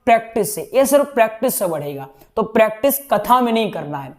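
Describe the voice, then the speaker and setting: A man's voice: sits high, very animated, fast talker. A young man teaching would-be katha speakers in a chatty style, often checking in with his listeners. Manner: conversational, keeps checking in with "right?". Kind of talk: teaching talk to students.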